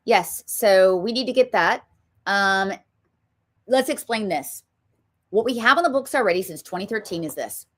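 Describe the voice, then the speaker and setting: A woman's voice: medium pitch, fairly bright tone. A woman with a Southern US accent, hosting a political talk show and speaking emphatically, with frequent ums. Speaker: show host.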